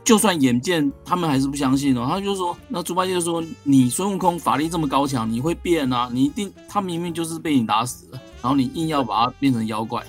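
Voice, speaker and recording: A man's voice: a little high, quick pace, hardly any pauses, faint music behind. A man, casually retelling a classic story as a guest and acting out the quoted characters. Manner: animated, acts out quoted characters.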